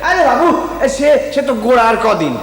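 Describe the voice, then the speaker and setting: A man's voice: very high-pitched, sing-song, normal speed, full character voice. An actor playing a devout, childlike temple priest who talks tenderly to the goddess and repeats his words. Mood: fond, weary. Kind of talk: TV period drama acting. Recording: roomy hall reverb, faint hiss.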